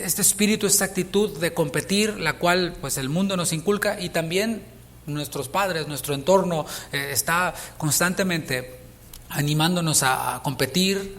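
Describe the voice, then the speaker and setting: Mexican pastor, conversational sermon delivery, rhetorical questions, echoing sanctuary. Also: male voice, fairly high pitch, fairly bright tone. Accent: Mexican Spanish. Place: church sanctuary.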